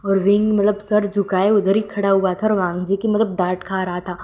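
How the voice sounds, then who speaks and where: A woman's voice: medium pitch, little pitch movement, normal speed, dull audio. A woman casually narrating a fan-fiction story, rambling with lots of filler words.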